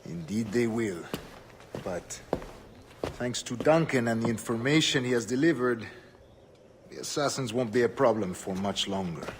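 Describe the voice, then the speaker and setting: An actor playing a scheming older Templar governor, measured and solemn, often dropping to a hush. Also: male voice, medium pitch, lively intonation, a little hiss or hum, natural voice. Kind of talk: video game cutscene acting. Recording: game audio over music.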